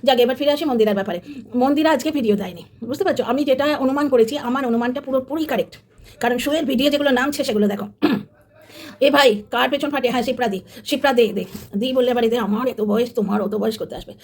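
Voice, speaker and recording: A woman commentator delivers an opinionated monologue straight to her audience. Her voice sits high and her words tumble out quickly. She sounds combative and sarcastic throughout. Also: a little mellow. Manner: combative, sarcastic, addresses viewers directly. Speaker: commentary channel host.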